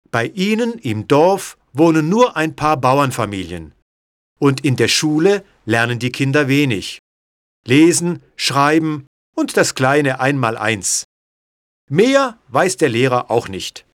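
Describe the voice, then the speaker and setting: A man reading an audiobook story in a clear, measured way. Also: mid-range voice, sing-song, no room sound, clean studio sound. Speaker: narrator. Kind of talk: scripted audiobook narration.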